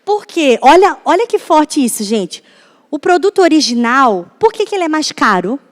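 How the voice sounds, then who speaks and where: A woman pastor preaches in a chatty, conversational way and keeps turning to her audience with questions. Her voice sits high. The sound carries a long reverb from a church hall. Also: very animated, moderate pace. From Brazil. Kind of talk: sermon.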